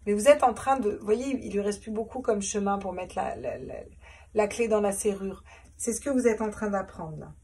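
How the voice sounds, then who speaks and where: A woman's voice: mid-range voice, moderate pace, dark tone, slightly rough, recorded from a distance. A woman doing a casual tarot reading, chatty, repeating herself and laughing at her own jokes. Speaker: tarot reader.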